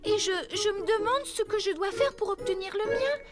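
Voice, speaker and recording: A woman's voice: very high voice, brisk, over loud music. A woman voicing a timid, polite little girl who is earnest and eager to please, in a French children's cartoon dub.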